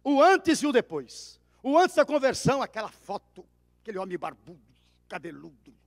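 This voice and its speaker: High-voiced Brazilian pastor, loud-soft preaching. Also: male voice, sing-song, moderate pace. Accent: Brazilian Portuguese. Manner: dramatic swings between loud cries and hushed asides. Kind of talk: sermon storytelling. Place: church. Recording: reverberant church hall.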